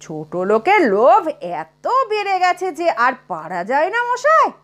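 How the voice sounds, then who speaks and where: A woman's voice: extremely high pitch, huge pitch swings, measured pace, a bit bright, voice pushed up, exaggerated voice. A woman voicing a complaining older male college pandit. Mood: grumbling. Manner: grumbling.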